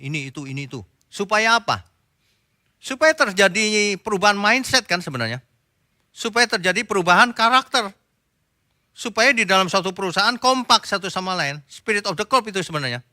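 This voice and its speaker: A man's voice: high-pitched, animated, a little fast, pushed and bright, no room sound, studio quality. A male pastor preaching a sermon in a direct, conversational way, often acting out little dialogues.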